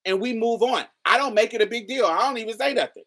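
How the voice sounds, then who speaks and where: A woman with a particularly deep voice, hosting a casual commentary and talking straight to her viewers in an emphatic, chatty way. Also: fast talker, a bit bright. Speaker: host.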